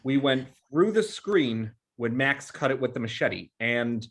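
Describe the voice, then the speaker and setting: Man playing an anxious, earnest teenage boy, medium pitch. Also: animated, measured pace, slightly rough. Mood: anxious, urgent. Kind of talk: table read of a horror comedy film script.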